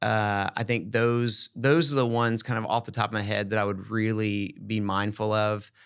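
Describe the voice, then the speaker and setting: Man podcasting, halting conversational style. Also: lowish voice, level tone, a bit bright, clean tone. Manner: halting, repeats words while thinking aloud. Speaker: podcast host. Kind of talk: casual conversational advice on an education podcast.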